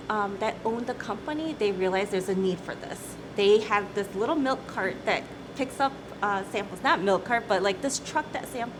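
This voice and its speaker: Female CEO guest, late 30s, chatty and upbeat, noisy recording. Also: medium pitch. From South Korea. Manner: chatty, laughs easily, says "right?" often. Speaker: company CEO, interview guest. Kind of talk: casual interview talk.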